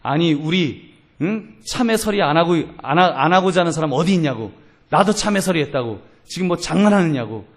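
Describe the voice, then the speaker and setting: An indignant, quick-tempered older village man who scolds in a raised, high voice, as a preacher puts him on. His voice climbs well above the speaker's usual pitch and comes out loud and pushed. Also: animated, close to an everyday voice.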